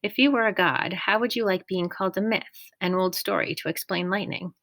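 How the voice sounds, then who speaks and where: A woman voicing a kindly, wise old male teacher who speaks gently and formally. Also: medium pitch, brisk, gravelly, no echo. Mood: earnest.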